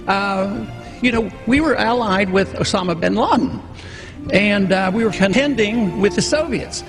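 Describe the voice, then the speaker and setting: A man giving a plainspoken political speech, arguing his case with casual fillers. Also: very high voice.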